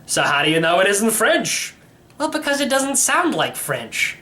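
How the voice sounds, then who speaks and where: A man reads as a curious young boy in a children's audiobook. He is polite and plain-spoken but a little sceptical, asking questions with a lively, varied pitch. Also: unhurried, full character voice.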